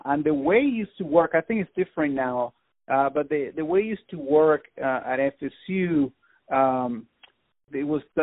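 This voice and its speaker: A man, answering interview questions in a relaxed, halting way. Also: a little high, dry recording. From Venezuela. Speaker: film director guest. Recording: tinny dry phone line.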